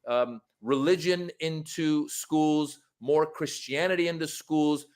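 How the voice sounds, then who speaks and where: A man from Iran giving earnest, argumentative political commentary in a played clip, pausing often with uh and um. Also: fairly high pitch, steady tone, darkish tone.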